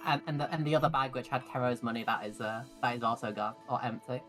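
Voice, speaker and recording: A man's voice: mid-range voice, fast talker, sharp tone, faint music behind. A man chatting casually as a tabletop game player, stammering and repeating words as he works things out.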